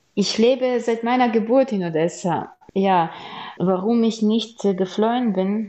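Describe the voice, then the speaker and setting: A woman's fairly slow delivery with very even loudness and ordinary pitch variation. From Ukraine, Odesa. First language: Ukrainian or Russian (speaking German). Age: 40s. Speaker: journalist and teacher. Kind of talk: interview. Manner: halting.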